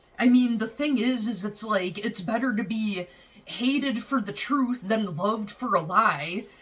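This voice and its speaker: Noticeable background noise sits behind speech delivered at a fairly slow pace. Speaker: tarot reader. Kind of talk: tarot reading. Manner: casual, thinking aloud.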